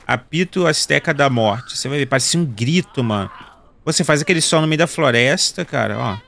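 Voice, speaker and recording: Carioca guy in his 30s, gravelly voice, slangy and jokey while gaming. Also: medium pitch, lively intonation, moderate pace, fairly bright tone, slight background noise. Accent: Carioca, Rio de Janeiro. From Brazil. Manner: joking, slangy, talks to viewers. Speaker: gaming video host. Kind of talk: casual gameplay commentary.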